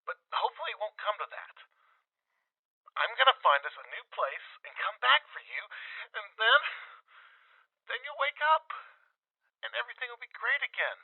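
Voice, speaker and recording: A grieving wasteland father recording a log for his child. The voice is husky and swings gently up and down, halting and tender with fragile hope. It comes through a thin, tinny recorder in an audio drama. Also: sits high, lively intonation, no echo, heavily acted. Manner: halting, tender, sometimes dropping to a whisper. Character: grieving, hopeful father, a wasteland wanderer leaving audio logs. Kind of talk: full-cast audio drama, in-world audio log.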